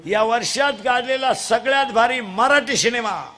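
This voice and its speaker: A man giving a comic kirtan sermon, teasing and quizzing the children in the crowd and demanding loud answers. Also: extremely high pitch, normal speed, a little hiss or hum. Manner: bursts into shouts at times. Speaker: kirtan preacher. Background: audience sounds.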